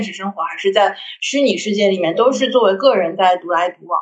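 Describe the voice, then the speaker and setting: Amid noticeable background noise, a woman at a medium pitch talks at a very fast pace. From Shanghai, China. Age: 30s. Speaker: journalist and editor. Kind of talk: casual discussion.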